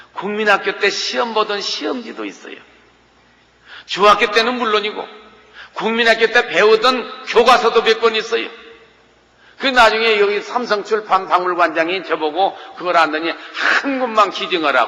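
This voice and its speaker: A man with a high pitch uses a raised, projected voice at a moderate pace and ordinary pitch variation, with noticeable background noise. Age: 60s. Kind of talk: testimony.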